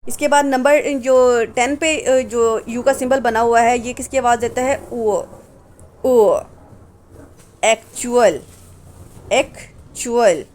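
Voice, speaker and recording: A woman's voice: fairly high pitch, fairly even intonation, darkish tone. Patient woman teaching phonetics. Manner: patient, repeats example words slowly, asks and answers her own questions. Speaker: English teacher. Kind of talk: phonetics lesson explaining symbols.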